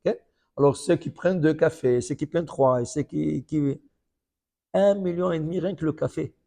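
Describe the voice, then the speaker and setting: A man, a rabbi, giving a lively sermon full of stories. He repeats phrases and often checks in with his listeners. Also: fairly high pitch, moderate pace, creaky. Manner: animated storytelling with many repetitions.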